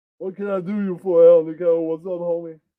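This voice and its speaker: In a cartoonish character voice, a man talks very fast in a high pitch with monotone, flat intonation. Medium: puppet show. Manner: brash, loud, streetwise.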